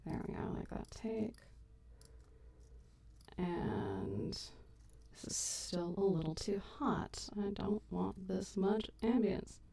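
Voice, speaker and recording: A woman's voice: mid-range voice, expressive, takes it slowly, gravelly, long pauses, warm tone, slight background noise. A woman hosting a casual editing livestream, chatty and self-deprecating, laughing often. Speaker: audio drama creator and host. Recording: echoey stream mic from a distance.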